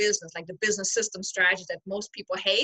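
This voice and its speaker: A woman with a German accent speaks at a medium pitch, recorded with a dry, close sound and no echo. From Germany. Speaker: business coach. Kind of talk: interview.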